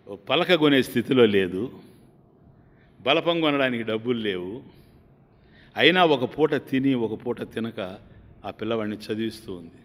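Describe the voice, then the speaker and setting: Male swami telling a moving story. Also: medium pitch. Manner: emotive storyteller, appeals to the listeners. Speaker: swami giving a religious discourse. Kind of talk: sermon storytelling. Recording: long hall reverb.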